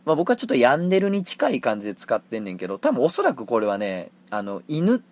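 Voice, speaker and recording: A man speaks in a relaxed Kansai accent, hosting a solo talk show and chatting through his listeners' letters. His voice sits in the middle range but moves a lot, and he keeps jumping into short acted scenes. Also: medium pitch, fast talker. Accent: Kansai Japanese. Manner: animated, jumps into acted quotes. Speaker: podcast host. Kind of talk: casual solo talk radio.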